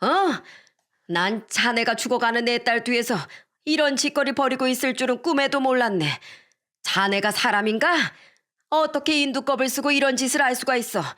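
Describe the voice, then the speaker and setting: A woman's voice: a little high, normal speed, fairly bright tone, voice pushed up, close to an everyday voice. A woman voicing an elderly grandmother who scolds her son-in-law in blunt, old-fashioned speech. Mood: furious.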